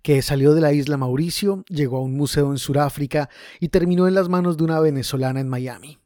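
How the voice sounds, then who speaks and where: A man, hosting a podcast with measured, scripted narration. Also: fairly high pitch, mellow, no echo, studio quality. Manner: measured, clear presenting. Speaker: podcast host.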